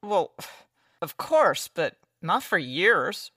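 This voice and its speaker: Radio noir villainess: cornered, scheming, theatrical, lower register with dramatic swings. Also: female voice, very animated, extremely slow, bright, forceful tone, slightly rough, dry recording, clean studio sound, full character voice. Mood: guarded, evasive. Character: cornered 1940s noir murderess, wealthy and calculating publisher. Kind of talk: old-time radio detective drama acting.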